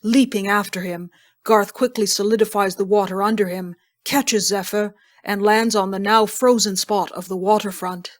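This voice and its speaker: Female narrator for an audio drama, mid-pitched, measured and descriptive, reading scripted scene directions. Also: fairly even intonation.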